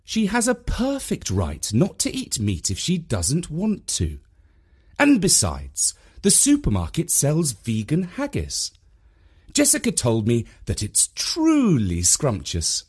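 Spirited mother, indignant, higher voice, animated, as the narrator puts her on. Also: slow, husky, full character voice. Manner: lively and indignant. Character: spirited mother, indignant but good-humoured.

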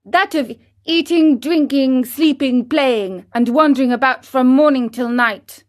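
A woman reading a storybook aloud, voicing a naughty, hot-tempered boy marionette who talks loudly and defiantly. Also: high voice, unhurried, pitched above the performer's own voice. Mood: angry. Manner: loud, defiant and impatient.

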